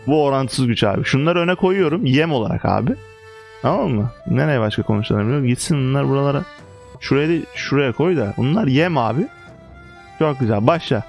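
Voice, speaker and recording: A young man giving casual, excitable gameplay commentary, chanting quick commands at his units and joking about how the battle goes. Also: medium pitch, creaky, faint music behind. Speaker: gaming YouTuber.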